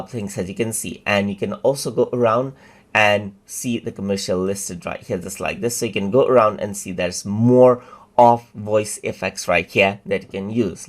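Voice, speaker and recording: A man walking viewers step by step through a software tutorial, casual and repetitive, with fillers. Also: on the low side. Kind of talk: screen-recorded tutorial narration.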